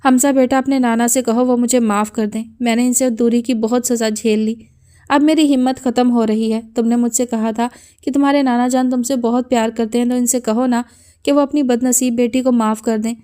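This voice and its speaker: A woman's voice: a little high, steady tone, warm tone, close to an everyday voice. A woman voicing a grieving middle-aged woman who pleads through tears for her father's forgiveness in an audiobook. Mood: pleading. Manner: pleading, tearful.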